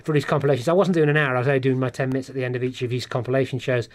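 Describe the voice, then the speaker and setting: Male stand-up comedian with a Black Country accent, animated storyteller, rapid delivery. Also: medium pitch. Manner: animated, restarts and acts out quotes. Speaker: stand-up comedian, studio guest. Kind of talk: casual storytelling chat. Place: pub.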